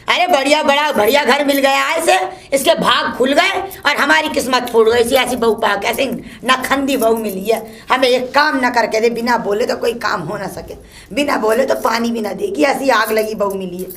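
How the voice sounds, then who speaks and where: A woman's voice: moderate pace, fairly bright tone, natural voice. A woman playing a scolding old mother-in-law who curses and complains nonstop. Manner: shrill, cursing, complaining nonstop. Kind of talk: solo comedy sketch.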